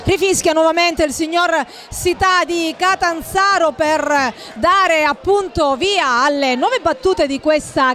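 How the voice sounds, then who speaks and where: Woman football commentator, very high voice, live play-by-play, formal wordy phrasing, hesitant pauses. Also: fairly bright tone, a little hiss or hum.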